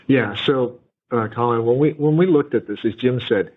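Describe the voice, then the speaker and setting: A man's voice: medium pitch, normal speed. A male company executive giving a corporate answer on an earnings call over a tinny line. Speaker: company finance or leadership executive. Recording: tinny narrow conference phone line.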